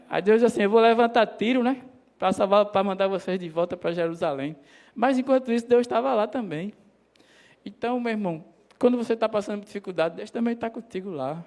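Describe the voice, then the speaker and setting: High-voiced preacher. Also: male voice, a little mellow. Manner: addresses congregation as brothers, quotes God in a lowered voice. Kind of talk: sermon. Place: church.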